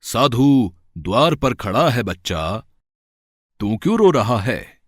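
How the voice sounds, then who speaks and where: A man playing a wandering Hindu sage in a moral story, calm and commanding, with slow, solemn delivery. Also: medium pitch, no echo, clean studio sound. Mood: solemn, reassuring.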